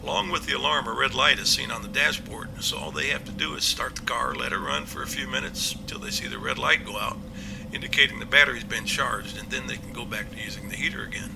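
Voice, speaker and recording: Very gravelly police captain played by a man. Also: medium pitch, lively intonation, music in the background. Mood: matter-of-fact. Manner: matter-of-fact, explanatory, measured. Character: confident, reassuring male police captain. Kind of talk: amateur audio drama acting.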